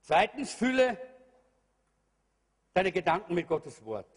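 A man preaching a sermon to a congregation, emphatic, rising to shouts and dropping low, addressing the listeners directly. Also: animated, normal speed. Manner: emphatic preaching, calls out to the congregation, swings loud and soft. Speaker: pastor. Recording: long hall reverb.

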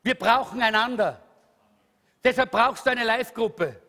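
A man preaching a lively, emphatic sermon, calling out hallelujah. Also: very high-pitched, normal speed, creaky. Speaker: pastor. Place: church hall. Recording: reverberant church hall.

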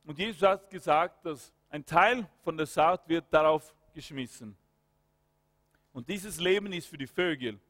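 A man's voice: on the high side, measured pace, fairly bright tone. A man preaching a fervent sermon, breaking into prayer and peppering his points with hallelujahs and amens. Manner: breaks into spoken prayer and commands. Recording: long hall reverb.

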